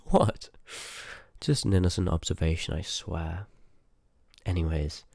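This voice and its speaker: A man's voice: low-pitched, steady tone, measured pace, vocal fry, darkish tone, dry recording, exaggerated voice. A man playing a rude, sardonic, curious sorcerer in a fantasy ASMR audio roleplay, with dry banter spoken straight to the listener. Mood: teasing, sardonic. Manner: sarcastic, dry banter with muttered asides.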